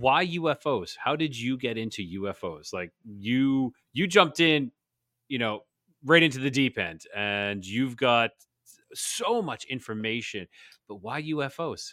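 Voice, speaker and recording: A man speaks in an unremarkable speaking voice, medium in pitch, with lively intonation and a fairly slow pace. His loudness swings widely, and the recording is very clean with a silent background. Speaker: podcast host. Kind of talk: interview.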